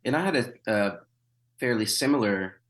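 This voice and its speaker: A man's voice: lowish voice, lively intonation, normal speed, rough recording. A man in his thirties, a missionary guest in an interview, telling his story with wry humor, many fillers and restarts. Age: 30s. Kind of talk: conversational interview.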